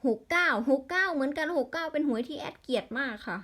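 High-voiced woman with an Isan accent. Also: animated, fast talker, a bit bright. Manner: rattles off number strings, with exasperated grumbling outbursts. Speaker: lottery number tipster. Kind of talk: casual vlog reading out lottery numbers.

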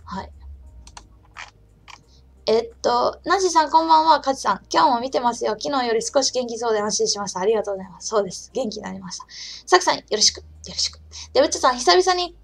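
A woman's voice: fairly high pitch, animated, quick pace, gravelly. A woman hosting a live-streamed trading lesson, chatty and casual, talking to herself, reading viewer comments aloud and calling herself by name, her throat just recovering from soreness. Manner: chatty, talks to herself and reads chat aloud; calls herself by name in the third person. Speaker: trading channel host.

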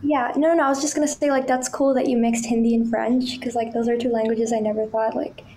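A woman's voice: a little high, flat delivery, quick pace, warm tone, a little hiss or hum. A woman asking a guest questions over a video call, hesitant and full of "like" fillers.

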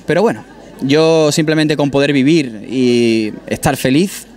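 A man's voice: on the high side, a little slow, a little mellow. A young man from Málaga, chatting modestly with a few restarts while being interviewed outdoors on a restaurant terrace with a handheld mic. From Málaga, Spain. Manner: friendly, modest, many restarts. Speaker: singer interviewed. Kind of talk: casual interview chat. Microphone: handheld mic held by interviewer.

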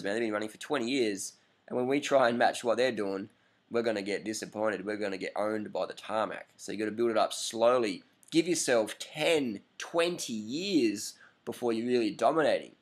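A man's voice: lowish voice, fairly quick. A man in his thirties answering a viewer's question in a casual, rambling webcam vlog indoors, repeating his points for emphasis. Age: 30s. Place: indoor room with curtains, at night. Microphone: laptop webcam up close.

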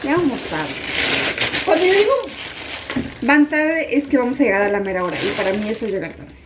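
Chatty high-voiced woman vlogging. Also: fairly quick, recorded from a distance, background noise. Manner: chatty, animated storytelling mixing in English words. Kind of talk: casual vlog chat. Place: her home, kitchen and yard.

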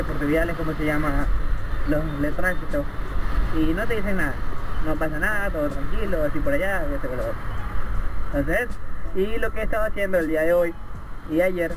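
Young man vlogging on a motorbike. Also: fairly high pitch. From Ecuador. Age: young adult. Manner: rambling, joking, loses his train of thought. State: congested with a cold. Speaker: motovlogger. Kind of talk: casual motovlog chat while riding. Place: riding a motorbike on city streets, outdoors. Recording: clear traffic and wind noise.

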